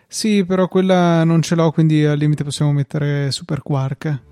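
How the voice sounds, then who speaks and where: A man's voice: on the high side, level tone, moderate pace, warm tone, clear, resonant tone, no echo, faint music behind. A man with an Italian accent hosting a podcast, talking through tech matters in a conversational way. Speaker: podcast host. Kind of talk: conversational tech commentary, reading out listener mail.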